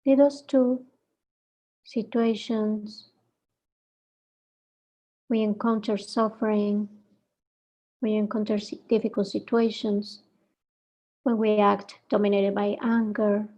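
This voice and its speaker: A woman leading a guided meditation, speaking gently in short phrases with reflective pauses between them. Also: medium pitch, little pitch movement.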